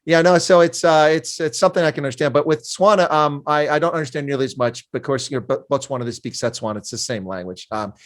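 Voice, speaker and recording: A man's voice: a little high, quick pace, hardly any pauses. A man hosting an interview, chatty and enthusiastic, laughing often as he talks. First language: English. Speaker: interview host. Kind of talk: casual interview chat.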